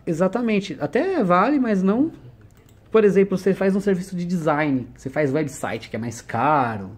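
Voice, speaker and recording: A man's voice: high voice, expressive, normal speed. A man explaining business ideas in a conversational one-on-one lesson, using everyday examples and questions.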